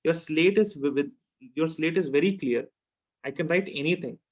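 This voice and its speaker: Speaking at a moderate pace in a slightly high voice, a South Asian-accented man gives a chemistry lesson one-to-one. His style is informal, with repeated phrases and frequent questions to make sure the student follows.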